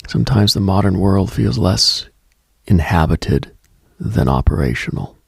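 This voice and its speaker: A man hosting a late-night mystical radio show, telling eerie reflective stories in a hushed, halting, musing way with a gravelly, husky, breathy voice close to the mic. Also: low voice, expressive, no room sound.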